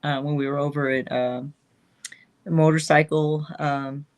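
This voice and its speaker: A woman's voice: sits low, fairly even intonation, unhurried. A woman guest chatting casually in an interview, rambling and trailing off, laughing often.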